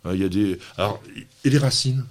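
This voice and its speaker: A man's voice: lowish voice, brisk. A man hosting a radio gardening show, chatting enthusiastically and teasing his co-host with frequent laughs. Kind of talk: lively on-air gardening chat.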